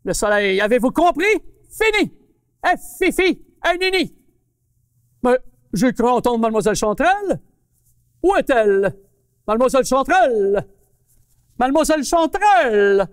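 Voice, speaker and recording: A woman's voice: high-pitched, big pitch swings, moderate pace, pauses often, no room sound, studio quality, big-room sound. A woman voicing a fussy, blustering male mushroom colonel who talks to children in a puppet show. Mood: indignant.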